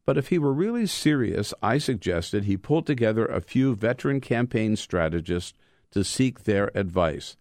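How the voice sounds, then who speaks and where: A man who is an author reading from his own book, mixing measured, emphatic delivery with informal storytelling. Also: lowish voice, animated, darkish tone, no echo, clean studio sound.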